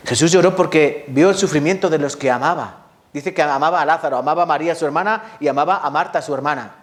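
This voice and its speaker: A man delivering a sermon in a fairly high voice. He speaks straight to his congregation, firing off rhetorical questions and answering them himself. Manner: rhetorical questions, lively rises and drops; addresses congregation directly. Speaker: pastor.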